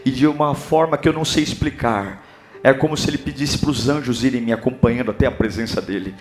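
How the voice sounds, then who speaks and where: A Brazilian man preaching a sermon, impassioned, building up to shouting. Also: mid-range voice, fast. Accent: Brazilian Portuguese.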